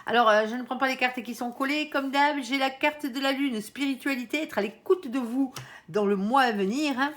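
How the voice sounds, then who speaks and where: Chatty woman doing a tarot reading. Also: high voice. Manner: chatty, frequent tag "hein", addresses her angel. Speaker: tarot card reader.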